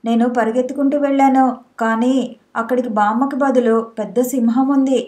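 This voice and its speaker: A woman reading a scared young wife just out of a bad dream, speaking in a high, mellow voice. she sounds breathless and shaky, as if the dream still has hold of her, in a storybook reading. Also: steady tone, moderate pace, close to an everyday voice. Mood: frightened. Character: frightened young wife waking from a nightmare. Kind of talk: audiobook character voice.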